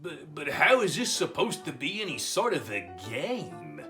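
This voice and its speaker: A man's voice: on the high side, huge pitch swings, measured pace, over music, heavily acted. A man voicing a bored, doubtful mailman puppet in a comedy puppet show, muttering in an unenthusiastic way.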